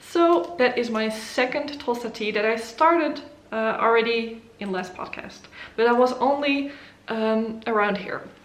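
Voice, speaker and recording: A woman with a non-native accent talks at a fairly slow pace in a fairly high pitch, with ordinary pitch variation. Noticeable background noise and audible room echo fill the recording. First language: not English. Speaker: knitting podcaster. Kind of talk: casual chat. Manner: rambling, hesitant with fillers.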